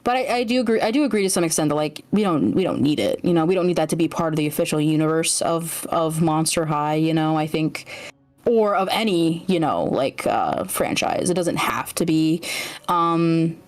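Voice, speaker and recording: A woman's voice: low voice, normal speed. A woman chatting casually as a talk show guest, informal and agreeable. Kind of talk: casual fan chat. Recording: music behind the voice. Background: music.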